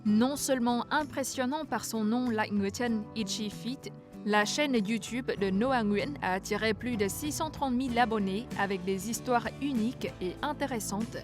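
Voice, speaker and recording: A woman narrating a news feature as a voice-over, reading in a measured way. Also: fairly high pitch, music in the background.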